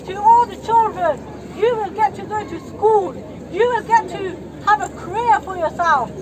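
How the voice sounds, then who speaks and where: A woman's voice: extremely high pitch, normal speed, noisy background. A woman organizing a street protest, speaking directly to the crowd with appeals and instructions. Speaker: rally organizer. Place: outdoor street rally.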